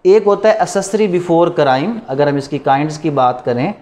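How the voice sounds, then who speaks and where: Slightly high and darkish, this man's voice is animated yet unhurried. He is a Pakistani-accented law lecturer giving a classroom lecture in Urdu laced with English legal terms, repeating points and asking rhetorical questions as he teaches.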